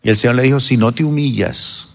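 A male pastor with a gravelly, mid-pitched voice preaching in a church sanctuary. His voice carries a long hall reverb. He retells a story through quoted dialogue, swinging between emphatic rises and slow, hushed stretches. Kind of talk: sermon.

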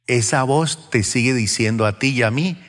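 Preacher in a reverberant church hall. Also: male voice, mid-range voice, moderate pace. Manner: dramatic, swings from loud exclamations to hushed whispers; asks the congregation questions. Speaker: pastor. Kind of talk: sermon.

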